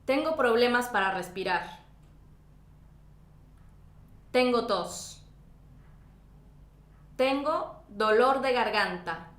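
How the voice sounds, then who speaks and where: Woman teacher, fairly high voice, clear measured lines, echoey. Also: lively intonation, fairly bright tone. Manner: clear, measured phrasing for learners. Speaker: Spanish teacher. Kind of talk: scripted language lesson.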